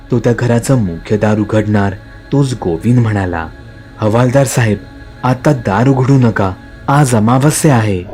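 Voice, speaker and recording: A man with a Marathi accent telling a scripted horror story as the channel's narrator, steady and slowing for suspense. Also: on the low side.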